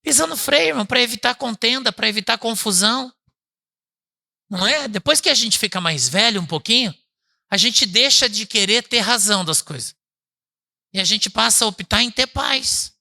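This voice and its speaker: A man preaching a conversational sermon as pastor at a church service, often asking the listeners "né?" and calling them brother, swinging between loud emphatic bursts and low quiet asides. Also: animated, normal speed, gravelly. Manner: chatty, asks the congregation "né?" and calls them "irmão".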